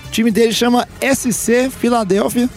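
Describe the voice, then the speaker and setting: A podcast host with a Brazilian Portuguese accent chats casually about sports, upbeat and teasing his co-hosts. His voice is very high with a steady tone and normal speed. Soft music plays in the background.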